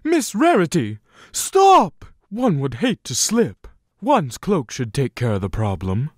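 A man's voice: fairly high pitch, wildly swooping pitch, slow pace, a little mellow, dry recording, clean studio sound, exaggerated voice. A man voicing a haughty pony prince from a cartoon, in a pompous, affected manner. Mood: haughty, disdainful. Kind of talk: cartoon character voice demo.

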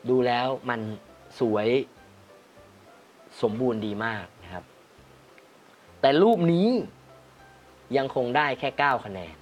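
On a lo-fi recording, a man with a slightly high voice hosts a casual photography-critique livestream. He reviews viewer photos, reads their comments out loud, and laughs often.

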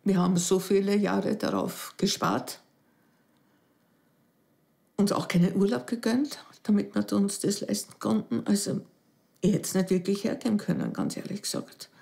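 A woman's voice: medium pitch, steady tone, moderate pace, creaky. A woman in her fifties, a widow, speaking hesitantly and reflectively in an interview at home. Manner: hesitant, reflective, softening into near whispers. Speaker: dating show candidate. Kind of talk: emotional interview. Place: living room at home.

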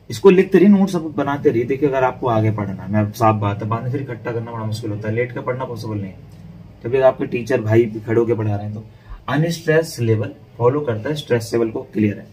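A man's voice: mid-range voice, darkish tone, far from the mic, rough recording. A man teaching an informal online literature class, chatty and repetitive, often calling his students "beta" and checking in with them. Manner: chatty, addresses students as "beta", repeats and checks "theek hai". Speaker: online English literature tutor.

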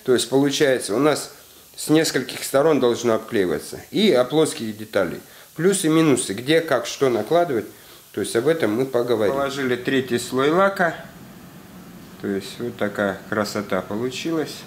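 A man in his thirties talks through a workshop job step by step, circling back with filler phrases and sounding a little under the weather. His pitch sits mid-range for a man. A faint hiss of workshop noise runs under his voice on the camera mic. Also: lively intonation, normal speed. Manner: explanatory, repeats "то есть", filler-heavy. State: slightly ill. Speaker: workshop tutorial host. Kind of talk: casual hands-on tutorial. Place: indoor garage workshop. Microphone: camera mic, handheld close.

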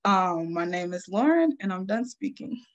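A young woman, a student advocate, giving an earnest, measured prepared talk on a video call from home, with frequent "um"s. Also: medium pitch, expressive, highs cut off. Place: home room, plain wall. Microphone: laptop webcam on a video call.

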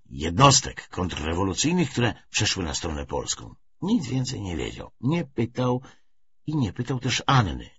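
A man reads literary prose as an audiobook narrator. His husky voice moves slowly, with lively, varied intonation. The recording sounds a little dull. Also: lowish voice. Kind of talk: expressive scripted literary narration.

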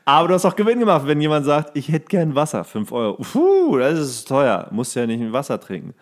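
A man's voice: fairly high pitch, huge pitch swings, a little fast. A man telling anecdotes in casual chat as a podcast co-host.

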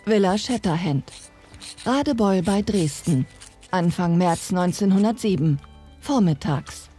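A woman reading scene headings in a crisp, matter-of-fact way. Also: lowish voice, expressive, unhurried, warm tone, soft background music. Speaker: scene announcer. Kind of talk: scripted scene announcement.

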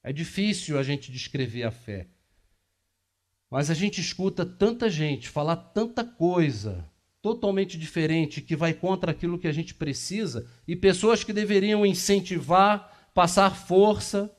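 A man in his fifties with a fairly high voice gives a talk at a spiritist center. He speaks conversationally, asking the audience questions as he moves and gestures. The camera picks him up from across a small meeting room. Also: expressive, measured pace.

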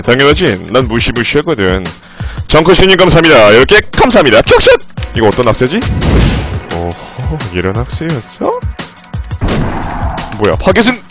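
A man streaming a video game live, shouting attack cries, trash-talking opponents and talking to his viewers. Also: mid-range voice. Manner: theatrical address to viewers.

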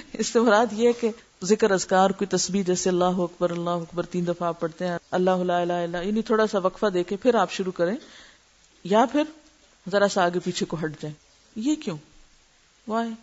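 A woman giving a religious lecture as a teacher, explaining terms and asking her listeners rhetorical questions. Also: medium pitch. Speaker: Islamic teacher. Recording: muffled lo-fi lecture recording.

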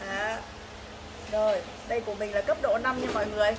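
A woman's voice: medium pitch, steady tone, a little fast. A woman in her thirties co-hosting a food vlog, chatting casually as she eats. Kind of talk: casual chat while eating. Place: small open-air restaurant. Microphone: camera across the table. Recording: noisy eatery ambience, traffic.

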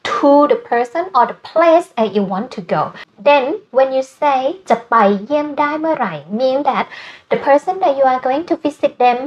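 A woman with a Thai accent, a native Thai speaker, teaching a language lesson and slowly repeating words. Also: high voice, lo-fi sound. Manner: slow, careful repetition of Thai words.

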